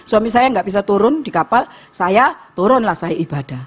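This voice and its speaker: Husky woman preaching. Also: medium pitch, lively intonation, moderate pace. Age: 50s. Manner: emotional, swings between loud urging and soft storytelling. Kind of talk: sermon. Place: church sanctuary.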